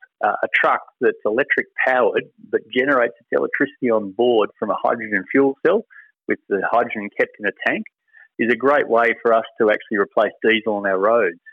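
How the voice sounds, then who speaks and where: With an Australian accent, a man speaks at a fairly quick pace. His loudness moves in big swings. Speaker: clean technology company executive. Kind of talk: interview.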